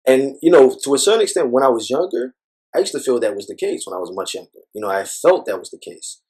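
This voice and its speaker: A man's voice: medium pitch, sing-song, fast talker, darkish tone, breathy edge, low-quality recording. A man speaking as an interview guest, talking thoughtfully in a rambling way with many fillers. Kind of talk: reflective personal conversation.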